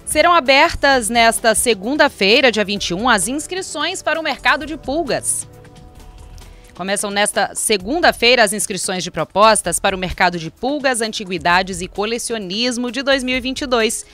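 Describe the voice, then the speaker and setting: With soft music in the background, a young radio news presenter reads a city bulletin off paper at a studio desk mic, slipping in chatty asides. Her fairly high, pushed, bright voice has lively intonation and a moderate pace.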